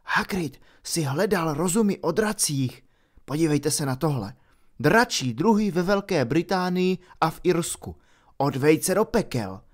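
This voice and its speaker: A man voicing a cheeky, easily bored schoolboy wizard in a lively, matter-of-fact way. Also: fairly high pitch.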